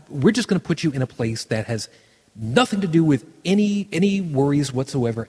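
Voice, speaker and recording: A man with a husky, breathy voice hosts a casual podcast chat. He is easygoing and agreeable, stumbling over his words as he goes. His voice trails off into long reverb. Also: medium pitch. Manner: relaxed, agreeable, stammering restarts. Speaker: podcast host. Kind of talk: casual conversation.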